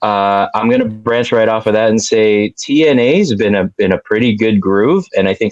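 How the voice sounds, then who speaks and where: Medium pitch, a fairly quick pace and an unremarkable speaking voice, from a man. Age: 40s. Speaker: wrestling podcast co-host. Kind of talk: casual chat.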